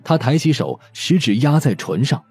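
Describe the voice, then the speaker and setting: A man narrating an audiobook story in an expressive, scripted storytelling style. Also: mid-range voice, moderate pace, slightly rough, dry recording. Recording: music behind the voice.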